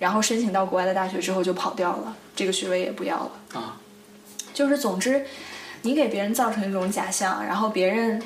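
Over noticeable background noise and audible room echo, a woman talks at a fairly quick pace, with medium pitch and ordinary pitch variation. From China. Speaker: student podcast host. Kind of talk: casual chat.

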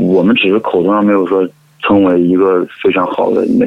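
Here a man with an unremarkable speaking voice talks at a fairly low pitch. His pace is moderate. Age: 20s. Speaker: camera operator. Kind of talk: casual chat. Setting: phone call.

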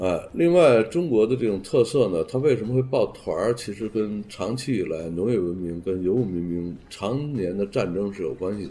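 The voice has a dark, mellow tone and lively intonation. It moves at a moderate pace with a strong Beijing accent. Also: man. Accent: strong Beijing hutong. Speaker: urban planning professor. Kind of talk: interview, expert explanation.

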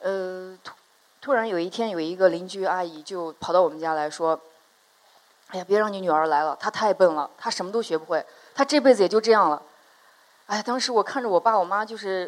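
Lively in intonation, a woman speaks at a medium pitch and a moderate pace. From northwest China, raised in several cities. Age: 30s. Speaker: public speaker. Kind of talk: motivational talk. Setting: stage with audience.

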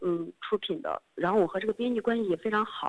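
The speaker is a woman at a moderate pace. Her pitch is medium. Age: 30s. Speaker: author and public speaker. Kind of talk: radio interview. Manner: hesitant, many filler sounds.

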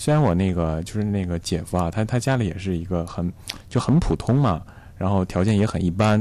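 Lively intonation runs through this man's dark, mellow tone. He keeps a moderate pace. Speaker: university student guest. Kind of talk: radio call-in advice chat. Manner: hesitant, many fillers.

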